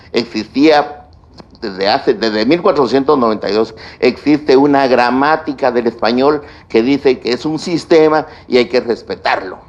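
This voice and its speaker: A man lectures to a university class in an unhurried, measured way. His voice has a gravelly fry in it. The recording sounds dull and lo-fi. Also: mid-range voice, a little mellow. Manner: slow, deliberate delivery with stretched pauses and lists. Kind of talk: classroom lecture on grammar and writing.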